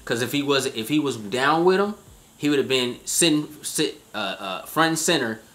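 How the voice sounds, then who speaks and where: A man's voice: mid-range voice, lively intonation, moderate pace, fairly bright tone. A man with an American accent in a casual debate among friends, slangy and insistent, repeating his phrases. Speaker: reaction show host.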